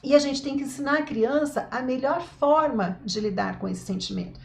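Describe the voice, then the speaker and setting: A woman's voice: high voice, moderate pace, gravelly. A woman hosts a parenting live stream, praising viewers and asking them questions. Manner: warm, encouraging, asks the audience questions.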